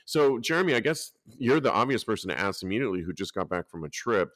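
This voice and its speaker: A man hosting a casual podcast, talking lively and reading out articles and listener posts. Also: on the low side, quick pace, no room sound, clean studio sound. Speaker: podcast host.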